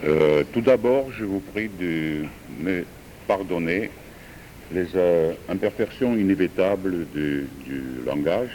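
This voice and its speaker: Slow deep-voiced man. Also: lively intonation, a little mellow, a little hiss or hum. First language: Georgian. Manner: hesitant, many pauses and fillers. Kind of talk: improvised philosophical talk. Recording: distant voice in a reverberant hall.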